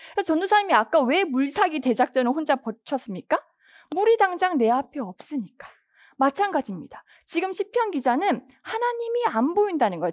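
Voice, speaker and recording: A woman's voice: sits high, no room sound, clean studio sound. A woman preaching a sermon to a church youth group, asking questions and acting out pleading prayers. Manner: asks the listeners questions and acts out pleading prayers. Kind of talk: sermon to teens.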